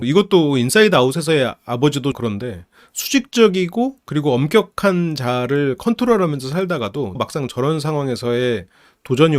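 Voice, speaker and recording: A man hosting a psychology channel, casually analyzing a film, lively and laughing often as he acts out characters' lines. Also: medium pitch, no room sound, clean studio sound.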